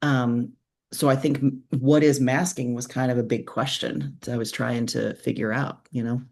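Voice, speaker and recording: A woman's voice: rumbling low, steady tone, normal speed, a little mellow. A woman being interviewed as an author, explaining her thoughts in a casual, reflective way and building points in lists.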